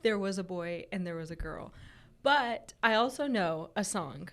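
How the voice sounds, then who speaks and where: A woman's voice: on the low side, lively intonation, a little slow, a bit bright. A woman reporter whose first language is Spanish, chatting casually and giggling between thoughts. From Idaho, USA. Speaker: reporter and guest. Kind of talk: casual studio chat.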